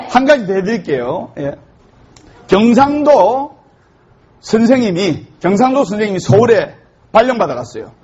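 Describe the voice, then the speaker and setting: Male Buddhist monk preaching with jokes: very high, husky voice on a dull lo-fi recording. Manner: joke-telling, animated storytelling. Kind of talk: humorous sermon.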